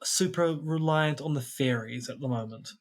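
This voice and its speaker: A man's voice: mid-range voice, normal speed. A man co-hosting a podcast, chatting casually in a wry, playful way. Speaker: podcast co-host. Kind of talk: casual chat.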